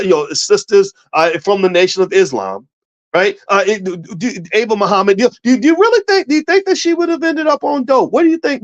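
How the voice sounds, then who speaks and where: Animated preachy man, lo-fi sound. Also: sits high. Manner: preachy, emphatic, addresses listeners with questions. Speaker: commentator. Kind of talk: impassioned commentary.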